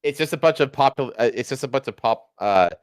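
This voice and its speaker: Male stream co-host, lively intonation, teasing casual banter, dry sound. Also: mid-range voice, a little fast, smooth, no room sound.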